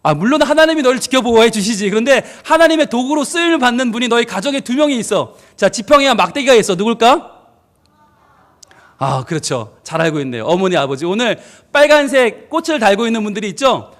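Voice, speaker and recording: A middle-aged man preaches at a family service in a notably high voice. His pitch swings widely as he tells stories and voices family quarrels. He keeps turning to the congregation with questions. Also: fairly quick. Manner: lively storytelling, acting out quoted family arguments. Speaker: pastor.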